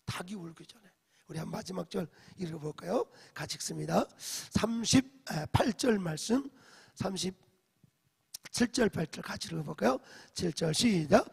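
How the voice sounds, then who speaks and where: Expressive and gravelly, slightly rough and pitched high, a male pastor preaches at a moderate pace during a dawn service. In the echoey sanctuary he tells the story, acts out what people said, asks the congregation questions, and sprinkles in English.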